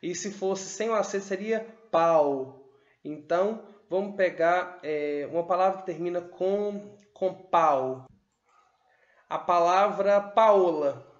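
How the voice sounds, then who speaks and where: Male teacher, slow and deliberate, sounds out syllables; dull, roomy recording. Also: sits high. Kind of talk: whiteboard lesson on literacy. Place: room with a whiteboard.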